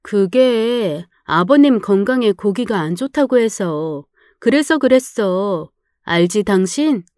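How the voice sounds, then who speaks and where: A woman's voice: mid-range voice, expressive, slow, a little mellow, no echo, clean studio sound. A woman voicing a guilty young wife who makes excuses and apologizes. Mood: defensive. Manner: defensive, apologetic, pleading.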